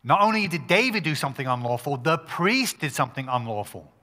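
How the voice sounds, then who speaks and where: A male pastor preaching a sermon at a pulpit microphone, talking in an emphatic, conversational way with quick restarts. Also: a little high, sing-song, bright, forceful tone, long reverb tail.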